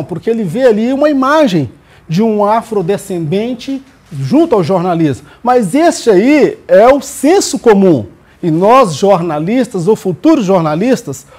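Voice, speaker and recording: A man's voice: high voice, darkish tone. A man with a Brazilian accent presents academic research as a student, in a didactic, emphatic way, repeating key points.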